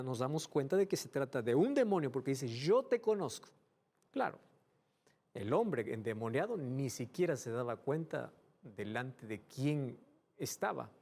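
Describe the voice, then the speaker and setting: A male pastor preaching a sermon in an animated way, asking many rhetorical questions. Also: medium pitch.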